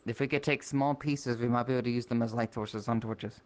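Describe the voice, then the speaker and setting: A man playing a cautious, watchful leader of a fantasy party in improvised roleplay, with a measured, directive manner. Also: mid-range voice, fairly even intonation, natural voice. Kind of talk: improvised virtual reality roleplay.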